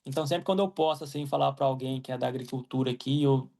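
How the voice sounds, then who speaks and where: A fast-talking young Brazilian man from Mato Grosso, with a medium-pitched, gravelly, darkish voice, appears as an interview guest. An agronomist living in Ireland, he answers casually in Brazilian Portuguese, peppering his speech with fillers and "né?" tags and often restarting.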